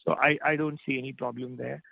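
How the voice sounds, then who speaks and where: A man with an Indian accent answers investor questions as a company executive, in informal, halting phrasing. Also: medium pitch, little pitch movement, gravelly, no echo. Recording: tinny, dry phone line.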